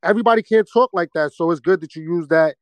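High-voiced hyped man co-host. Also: fast, no room sound. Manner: hyped, slangy, laughs often. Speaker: podcast co-host. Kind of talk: casual podcast chat.

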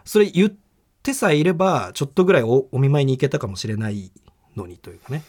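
Guy on a talk radio show telling a story, talks fast, voice jumps up and down a lot when he does other people. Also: mid-range voice. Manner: animated storytelling, acts out quoted people. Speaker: comedian and radio show host. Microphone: studio microphone.

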